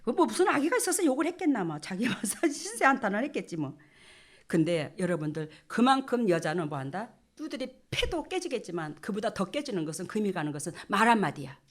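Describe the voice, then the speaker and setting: A woman's voice: mid-range voice, brisk. A middle-aged woman pastor, preaching a folksy sermon and acting out scenes. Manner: folksy, animated, acts out couples' quarrels with laughter.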